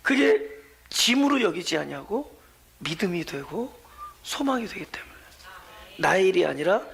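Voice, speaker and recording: A pastor preaching with a gravelly, husky voice. The delivery rises into loud emphasis and then drops to soft near-whispers, with a pitch that keeps moving. The pastor asks the congregation questions and answers them. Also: very animated, normal speed. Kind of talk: sermon.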